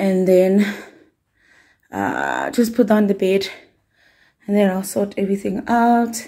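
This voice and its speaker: Over a quiet background, a woman talks fairly slowly in a dark, mellow, somewhat breathy tone with fairly even intonation. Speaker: vlogger showing her new home. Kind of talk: casual vlog chat. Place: home room. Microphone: phone near.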